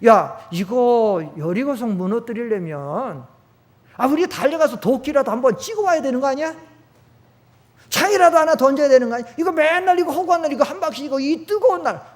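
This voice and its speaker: A man's voice: very high voice, animated, fairly quick. A man voicing an impatient Israelite who whines and complains about being made to march in the heat, with a long church reverb around him. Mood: grumbling. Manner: whining, restless complaint.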